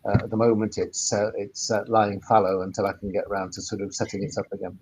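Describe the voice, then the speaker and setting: A man speaking as an expert webinar panellist, halting and repeating words as he explains practical technical points. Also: on the low side, completely flat delivery, a little mellow, husky, low-quality recording. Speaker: sound engineer and workspace operator, panellist.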